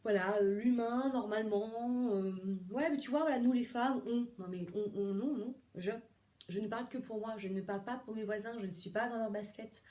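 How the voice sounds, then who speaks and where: Middle-aged woman, therapist explaining things off the cuff, warm mellow tone, lots of hesitations. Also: on the high side, moderate pace. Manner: chatty, rambling, many fillers and restarts. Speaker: psychotherapist. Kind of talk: casual monologue.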